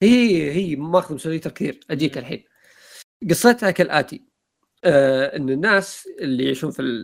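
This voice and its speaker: Talking at a moderate pace, a man with a fairly high voice uses lively intonation in an ordinary speaking voice. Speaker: podcast co-host. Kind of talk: casual chat.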